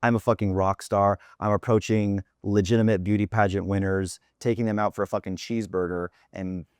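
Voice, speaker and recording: A man's voice: fairly low pitch, brisk, clear, resonant tone, dry recording, clean studio sound. A man from the United States hosting a podcast, talking animatedly, exaggerating for comic effect, and swearing freely. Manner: animated, profane, exaggerating for laughs. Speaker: podcast host. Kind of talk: casual chat.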